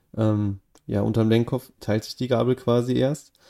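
The recording is very clean, with a silent background. A man speaks at a medium pitch in a dark, mellow tone with fairly even intonation. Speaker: podcast co-host, community manager. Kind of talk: casual chat.

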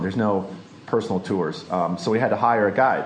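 A man with an American accent at a moderate pace, with noticeable background noise. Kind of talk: live podcast banter. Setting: stage with audience.

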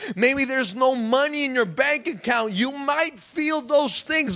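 With noticeable background noise behind him, a man speaks in an extremely high pitch and an animated tone, with ordinary pitch variation. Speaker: pastor. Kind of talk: sermon. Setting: church stage with audience.

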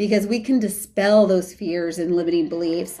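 A woman with an American accent has an unremarkable speaking voice at a medium pitch. She keeps a moderate pace with ordinary pitch variation. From Riverside, California. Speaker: real estate team leader. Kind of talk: interview.

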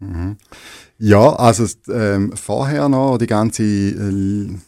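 With a St. Gallen accent, this voice has a dark, mellow tone and ordinary pitch variation, captured in a very clean recording with a silent background. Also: man. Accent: St. Gallen Swiss German dialect. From eastern Switzerland, St. Gallen. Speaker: religious studies lecturer and theologian. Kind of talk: radio interview. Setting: radio studio.

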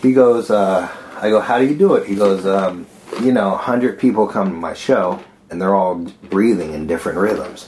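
There is noticeable background noise behind a man with a fairly low pitch. He talks at a moderate pace with ordinary pitch variation. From US, Chinese American. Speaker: street performer. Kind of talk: casual interview. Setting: recorded in a treehouse.

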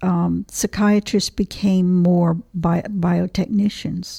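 Somewhat breathy and at medium pitch, a woman speaks at a very slow pace with a dark, mellow tone in a dry, close sound with no echo. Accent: American. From Louisiana, near Lafayette (Cajun country). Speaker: healer and therapist. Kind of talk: interview.

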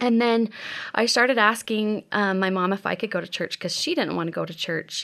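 A woman with a plain, everyday voice and medium pitch talks at a moderate pace with ordinary pitch variation, in a very clean recording with a silent background. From Utah, moved from Texas and New Mexico as a child. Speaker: dance coach and former professional dancer. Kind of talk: personal testimony interview.

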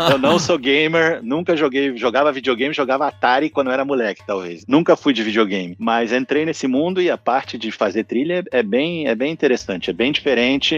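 With a normal speaking voice at medium pitch, a man talks at a fairly quick pace with lively intonation. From Brazil. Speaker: film and game composer. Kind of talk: casual chat.

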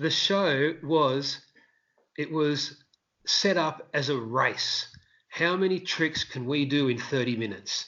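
This man talks at a very slow pace, his pitch fairly high and his pitch variation ordinary. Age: 50s. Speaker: street performer. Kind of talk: casual interview. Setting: video call.

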